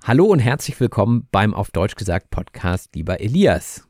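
Low-voiced, clear-spoken podcast host man. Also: big pitch swings, darkish tone, no echo, clean studio sound, soft background music. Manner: clear, measured, teacherly delivery. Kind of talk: podcast hosting and interviewing.

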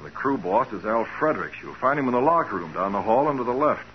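An actor as a blustery, animated company boss. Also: male voice, medium pitch, quick pace, close to an everyday voice. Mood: reluctant. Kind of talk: 1940s radio crime drama acting. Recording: dull, noisy 1940s radio recording.

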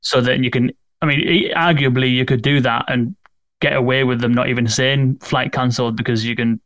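A man's voice: mid-range voice, fairly even intonation, a little fast, fairly bright tone, no room sound. A man hosting an interview, asking long, rambling questions. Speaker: podcast host. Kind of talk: conversational interview.

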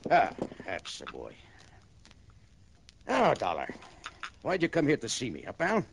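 A man's voice: medium pitch, huge pitch swings, unhurried, creaky, slight background noise, full character voice. An actor playing a middle-aged gangster boss in a 1960s radio drama, with a mocking, falsely friendly manner and a chuckle behind his words. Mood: smooth menace.

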